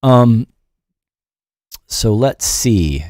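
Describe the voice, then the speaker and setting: A man's voice: medium pitch, expressive, drawn-out words, warm tone, no room sound, studio quality. A middle-aged man giving a casual livestream music production lesson in a rambling, informal, self-deprecating way. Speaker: music production teacher and show host.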